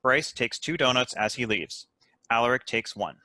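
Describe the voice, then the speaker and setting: A man reading stage directions as scripted narration for an animated comedy table read. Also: mid-range voice, normal speed, no echo.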